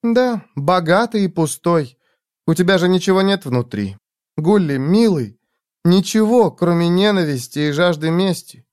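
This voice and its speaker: A man voicing a fierce, sharp-tongued young woman in a storybook reading, mocking and commanding. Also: expressive, a little slow. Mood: reproachful. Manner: mocking, commanding, shrill when angry.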